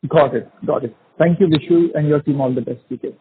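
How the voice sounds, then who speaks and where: A man's voice: a little high, brisk, a little hiss or hum. A man, an analyst, putting questions conversationally on an earnings call. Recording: tinny narrow phone line.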